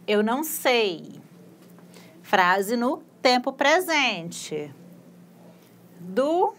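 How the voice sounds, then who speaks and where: A Brazilian woman teaching English at a slow, patient pace in a fairly high voice. She says English sentences one word at a time, then explains them in a casual, encouraging tone. Faint noise sits behind the recording. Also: a bit bright. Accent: Brazilian Portuguese. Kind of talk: recorded video lesson.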